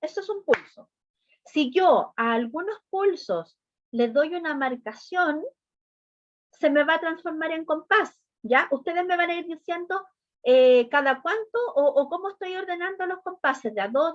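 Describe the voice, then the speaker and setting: A woman's voice: very high voice, dry recording, highs cut off. A woman music teacher giving a lesson, explaining step by step and often checking that her students follow. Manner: patient step-by-step explaining, often checking understanding with short questions. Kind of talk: online class lesson.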